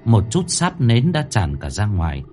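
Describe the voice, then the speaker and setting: A man's voice: lowish voice, wildly swooping pitch, normal speed, a little mellow. A man narrating a horror story in a dramatic, suspenseful manner. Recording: faint music bed under the voice.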